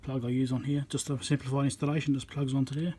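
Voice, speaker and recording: A man giving casual hands-on commentary as he works, halting and half talking to himself while he concentrates, recorded on a phone at an indoor workbench. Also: mid-range voice, level tone, warm tone, husky. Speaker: electronics repairer, channel host. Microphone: phone on a tripod above the work. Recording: noisy room recording on a phone.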